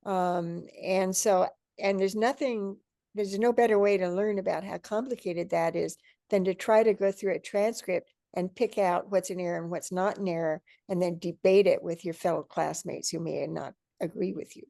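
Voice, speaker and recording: An older woman explaining things thoughtfully on an online panel, in a measured, emphatic way, as a teacher educator. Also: fairly low pitch, steady tone, gravelly, mellow, no room sound, clean studio sound. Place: indoor room at home or office, video call.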